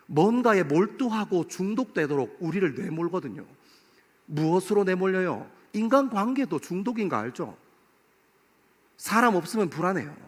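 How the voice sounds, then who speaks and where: A pastor in his forties preaching to a young adults service in a church, playful and lively, acting out little scenes. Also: high-pitched. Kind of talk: sermon. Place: church sanctuary. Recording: long hall reverb.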